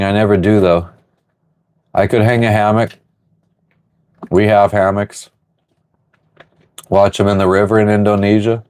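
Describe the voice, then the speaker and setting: Laid-back man chatting on a livestream. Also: fairly low pitch. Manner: relaxed, rambling, reads out and answers viewer comments. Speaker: livestream host answering chat. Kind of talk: casual live chat. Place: on board a sailboat.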